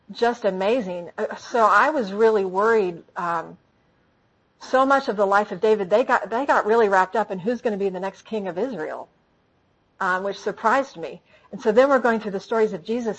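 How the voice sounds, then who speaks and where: Woman, husky, slightly breathy, conversational talk, animated, frequent restarts. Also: mid-range voice, rough recording. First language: English. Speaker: speaker training storytellers. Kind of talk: conversational talk with audience questions.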